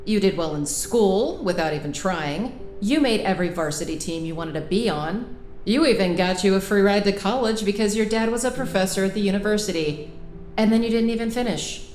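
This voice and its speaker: A woman's voice: expressive, a little fast, a little mellow, natural voice. An actress with an American accent playing a fierce, wounded young woman with a sarcastic, emphatic way of talking in an audio drama. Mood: bitter, accusing. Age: young adult. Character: fierce, wounded young woman lawyer scolding old friend. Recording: roomy sound with faint rumble.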